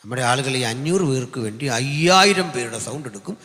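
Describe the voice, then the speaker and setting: A male pastor preaching a live sermon to a seated congregation through a microphone, jumping from loud proclamations to quiet, joking asides. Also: medium pitch, animated, fast talker. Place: large hall with a seated audience. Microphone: amplified stage microphone. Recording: long hall reverb from a live PA.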